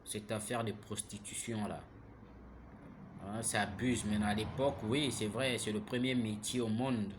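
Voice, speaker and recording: A man's voice: on the low side, steady tone, unhurried, noisy background. Heated man lecturing. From Gabon. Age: 30s. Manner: preachy, repeats himself, asks listeners "hein?"; grows loud and heated. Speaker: vlogger. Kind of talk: impassioned monologue.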